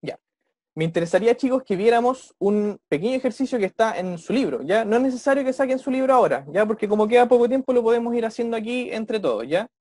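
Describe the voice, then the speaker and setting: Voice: medium pitch, lively intonation, a little mellow, no room sound. Teacher on a video call, patient online lesson, dry close sound, constant check-in tags. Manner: tags nearly every phrase with "cierto?" or "ya?"; slows down to model English phrases. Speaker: English teacher.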